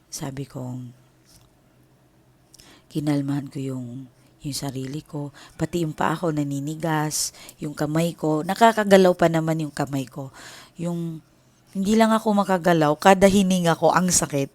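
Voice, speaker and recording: A woman hosting her own channel, telling viewers a personal story in a casual, emotional way, at times hushed and at times animated, and calling them her loved ones. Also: deep voice, normal speed, long pauses, no echo. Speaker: tarot channel host.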